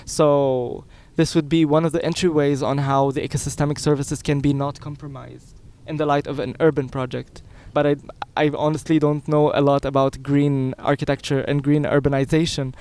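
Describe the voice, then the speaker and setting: A man's voice: fairly high pitch, flat delivery, normal speed, few pauses, darkish tone, smooth. A young man from Lebanon, explaining things articulately in a conversational interview. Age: young adult. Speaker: interview guest, young environmental scientist.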